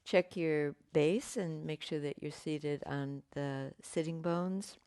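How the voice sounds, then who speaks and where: A woman teaching a yoga class, giving gentle, unhurried cues with pauses and fillers, her voice slightly croaky. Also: low-pitched, no room sound, clean studio sound. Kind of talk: guided yoga class instruction.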